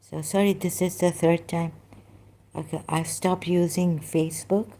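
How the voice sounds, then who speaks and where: Resting at home, a vlogger talks through a personal spoken monologue in a low, steady voice. She's a Khoja Sindhi native speaker whose slow, soft speech halts and wanders from one thought to the next.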